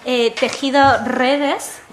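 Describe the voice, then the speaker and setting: Woman publisher hosting the panel, kinda high voice, roomy echo. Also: steady tone, slow, background noise. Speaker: publisher and moderator. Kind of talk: moderating a panel. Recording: echoey hall.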